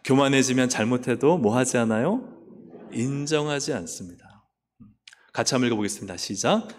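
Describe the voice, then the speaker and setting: A man's voice: mid-range voice, lively intonation, fairly quick. A male pastor with a Busan accent preaching a sermon, asking the congregation questions and acting out Bible figures' voices. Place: church sanctuary. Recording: echoey church hall.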